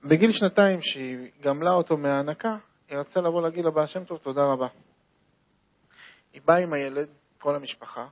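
A man telling a religious tale in a sermon style, animated and repeating lines for emphasis. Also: a little high. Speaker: religious storyteller. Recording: dull lo-fi recording.

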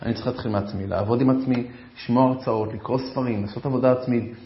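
A man's voice: mid-range voice, fairly even intonation, a little hiss or hum. A man in his forties giving a humorous talk on marriage, telling stories about himself and speaking straight to his listeners. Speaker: lecturer on marriage and self-improvement. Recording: roomy echo, dull lo-fi sound.

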